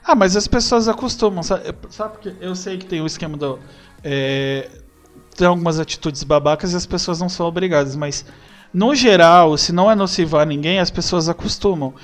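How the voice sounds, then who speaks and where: A young Brazilian man chatting as a podcast guest, animated and acting out bits of dialogue. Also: high voice, fairly quick, faint music behind. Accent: Brazilian Portuguese. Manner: animated, acts out quoted dialogue. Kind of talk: casual chat.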